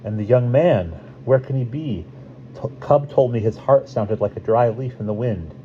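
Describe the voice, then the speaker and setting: A man's voice: medium pitch, normal speed, pitched above the performer's own voice, natural voice. A man voicing a proud, concerned tribal woman in an audiobook. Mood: self-reproachful, worried. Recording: dull lo-fi recording, faint hiss.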